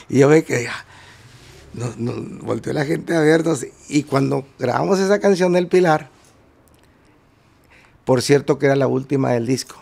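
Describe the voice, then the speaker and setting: Brief: male guest musician, gravelly texture, rambling storyteller. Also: medium pitch, a little mellow. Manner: rambling anecdotes with many fillers and restarts. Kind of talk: casual interview storytelling.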